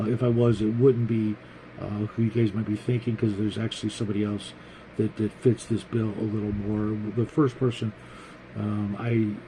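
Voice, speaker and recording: A man with a soft-edged, mellow and relaxed voice gives an off-the-cuff opinion monologue. He talks like a casual hobby host, haltingly, circling back and repeating words as he thinks. A little ambient noise sits behind him. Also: mid-range voice, low-quality recording. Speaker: host of a tabletop role-playing hobby show.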